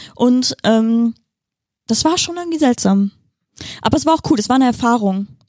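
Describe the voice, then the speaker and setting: With lively intonation and a high pitch, a woman talks at a moderate pace, leaving long, frequent pauses. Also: dry, close sound with no echo. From Rhineland, near Mönchengladbach/Düsseldorf. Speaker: podcast co-host. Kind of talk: casual chat.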